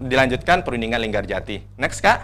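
Very fast speech from a man with vocal fry over light background noise. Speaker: high school history teacher. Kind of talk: radio lesson. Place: studio.

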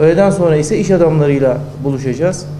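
A man talks at a moderate pace with ordinary pitch variation. Noticeable background noise is present. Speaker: provincial party chairman. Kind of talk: formal speech. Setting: conference hall with audience. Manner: formal. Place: meeting room. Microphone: handheld.

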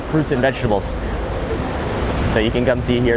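A man speaking at a very fast pace over loud background noise. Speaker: travel vlogger. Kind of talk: casual vlog chat. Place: street.

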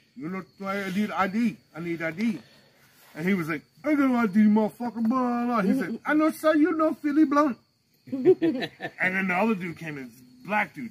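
At a moderate pace, a man speaks with big swings in loudness and very wide pitch swings. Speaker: storyteller entertaining friends. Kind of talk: casual storytelling with impressions. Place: garden. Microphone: camera far.

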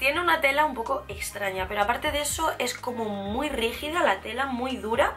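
A woman talks at a fairly quick pace in a high pitch with ordinary pitch variation and hardly any pauses, faint music playing in the background. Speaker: fashion YouTuber. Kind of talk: casual talk to camera. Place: home room.

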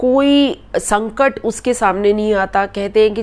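The pace here is very slow. A woman talks, her pitch moving in an ordinary way. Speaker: devotional vlogger. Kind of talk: casual vlog chat. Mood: warm, earnest. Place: home room. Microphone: lapel.

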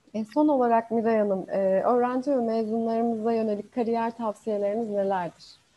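Speaking at a fairly quick clip with hardly any pauses, a woman keeps a fairly high pitch and fairly even intonation. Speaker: university career center moderator; career center moderator. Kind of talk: moderated online interview. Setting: online video event. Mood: polite, friendly. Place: home room. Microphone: earbuds.

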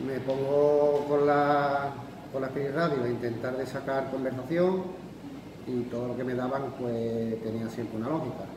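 A man speaks at a fairly slow pace with fairly even intonation. Noticeable background noise sits behind him. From Seville, Spain. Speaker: paranormal investigator. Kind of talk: storytelling to live audience. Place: studio.

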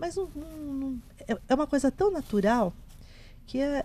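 A woman speaks in a high voice with a dark, mellow tone. Her pace is fairly slow, and the sound is dry with no echo. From Greater São Paulo, Brazil. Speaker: mother of blind football fan; guest. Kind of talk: interview. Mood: warm, emotional. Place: studio. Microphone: handheld.

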